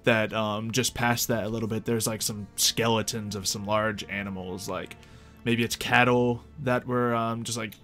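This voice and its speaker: A man narrating a tabletop roleplay game as game master in a casual, improvised way with halting, informal phrasing. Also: lowish voice, steady tone, pushed and bright. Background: faint background music.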